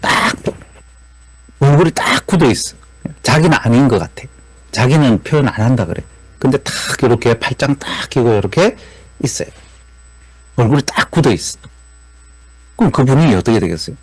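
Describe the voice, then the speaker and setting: A man's voice: medium pitch, normal speed, long pauses, slightly rough, no echo, poor audio. A man lecturing at a business seminar, asking the audience rhetorical questions and adding tag questions as he goes. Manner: animated, frequent rhetorical questions, repeated tag "그죠?".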